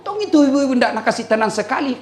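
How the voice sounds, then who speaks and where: Preacher man, jokey sermon, pitch jumping all over, echoey room. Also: fast talker, a loud crowd, heavy background noise. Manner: lively storytelling with laughs and teasing asides to the women. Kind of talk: humorous sermon.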